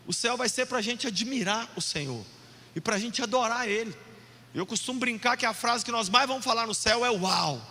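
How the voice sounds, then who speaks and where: Energetic man preaching, lively swooping delivery, booming church reverb. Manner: animated, jokey, shouts for emphasis. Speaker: pastor. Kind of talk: sermon. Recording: long hall reverb.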